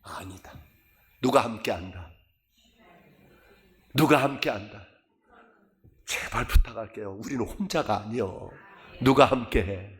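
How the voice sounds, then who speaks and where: A man's voice: measured pace, pauses often. A middle-aged man preaching a sermon as pastor, asking the congregation questions and acting out doubters in a mocking voice. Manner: animated preaching, quizzing the congregation with call-and-response questions; acts out skeptics in a high mocking voice.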